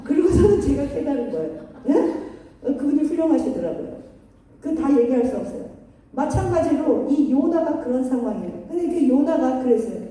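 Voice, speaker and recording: A middle-aged woman preaches a lively sermon, telling stories with animated acted-out voices and frequent laughter. Her voice sits high but sounds dark and mellow. She is heard from a distance in a church hall with a long, roomy reverb. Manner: animated storytelling, acts out voices, laughs often. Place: church sanctuary. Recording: echoey hall from far off.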